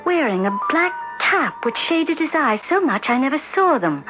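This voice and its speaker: A dull old radio broadcast with music behind a troubled wife. She is high-voiced, hesitant and emotive, an earnest and anxious heroine. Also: very animated, moderate pace. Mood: wistful narration. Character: anxious, conscientious, troubled wife narrating her story. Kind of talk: 1970s radio drama acting.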